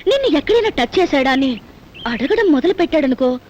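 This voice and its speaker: A woman's voice: sits high, sing-song, brisk, a little mellow, dull audio, slight background noise. An actress playing an anxious young wife who confides her worries to a friend in a Telugu film drama. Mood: worried. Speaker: wife, office worker.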